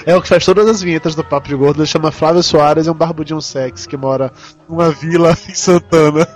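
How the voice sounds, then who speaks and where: High-pitched Brazilian man hosting a podcast. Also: fairly even intonation, fast talker, soft background music. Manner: informal, joking, swears freely. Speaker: podcast host. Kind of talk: casual podcast chat.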